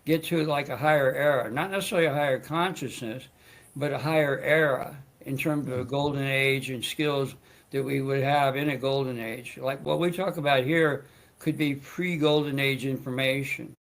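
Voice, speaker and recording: Gravelly stammering male talk host. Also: medium pitch, fairly even intonation, normal speed, fairly bright tone. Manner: stammering, restarts often; joking asides. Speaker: show host. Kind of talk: rambling esoteric talk.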